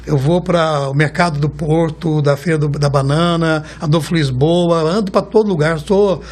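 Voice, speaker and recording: This is a Brazilian man in his fifties with a voice that sits a bit higher than most men's. He tells stories in a loose, conversational flow and keeps checking in with his listener. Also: steady tone, moderate pace. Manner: chatty, warm storytelling, keeps tagging phrases with a questioning "right?". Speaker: guest, car rental executive. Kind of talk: casual interview talk.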